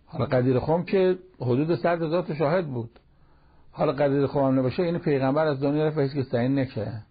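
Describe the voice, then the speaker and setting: A man with a gravelly, husky voice preaches in an easy, talky way and slips in recited Arabic verses. He, and the sound is dull and lo-fi, like an old radio broadcast. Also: on the high side. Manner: plain conversational preaching, quotes Arabic verses. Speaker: cleric giving a Quran commentary talk. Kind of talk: sermon-style Quran commentary.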